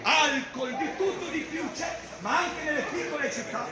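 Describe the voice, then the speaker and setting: Filmed from a distance by a camera, a middle-aged man preaches in the open air on a busy town street, loud and declaiming, gesturing with a Bible. He speaks at normal speed in a very high-pitched voice. Crowd noise and passers-by fill the echoey street behind him.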